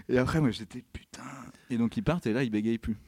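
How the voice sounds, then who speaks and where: A man's voice: mid-range voice, normal speed, breathy edge, dry recording. A man from Brittany, a film director, chatting as a podcast guest and acting out the people in his anecdotes. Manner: animated storyteller, acts out quoted people. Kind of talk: casual interview chat.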